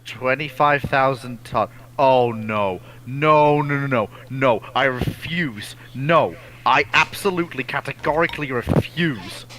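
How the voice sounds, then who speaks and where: Bright, emphatic man over background noise. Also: mid-range voice, a little slow, hardly any pauses. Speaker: co-host answering viewer questions. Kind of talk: casual expert discussion. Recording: clearly audible background noise with clicks.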